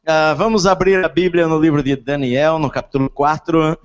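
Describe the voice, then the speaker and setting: A man's voice: a little high, fairly even intonation, normal speed, clear, resonant tone. A Brazilian man preaching a sermon as a pastor, talking with his mouth barely open. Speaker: pastor preaching at a church service. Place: large indoor church hall during a service. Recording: muffled, reverberant large church hall.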